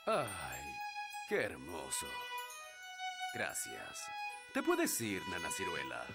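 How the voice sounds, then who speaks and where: A man's voice: deep voice, huge pitch swings, slow pace, creaky, heavily acted. A man playing a lazy, pompous fairy king in a children's cartoon dub, with a demanding, self-indulgent and theatrical manner. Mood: contented. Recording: music and jingles behind voice.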